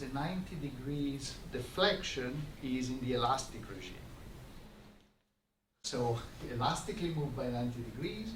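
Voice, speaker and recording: A man gives a scientific colloquium lecture in a medium-pitched voice. His explanations are halting, with repeated words. The recording is reverberant and distant, with clear background noise. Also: fairly bright tone. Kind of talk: academic lecture with slides. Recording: roomy, noisy lecture recording from far off.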